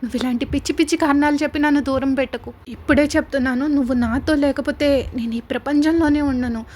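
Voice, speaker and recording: Woman playing possessive angry young woman, loud forceful pleading, high-pitched. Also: steady tone, fast, natural voice. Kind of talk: audio story reading.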